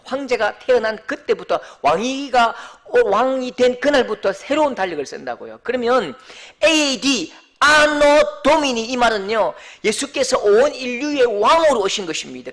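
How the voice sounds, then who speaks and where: High-voiced Korean pastor preaching. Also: male voice. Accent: Gyeongsang Korean. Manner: jokey asides, then loud proclaiming outbursts. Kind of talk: Christmas sermon.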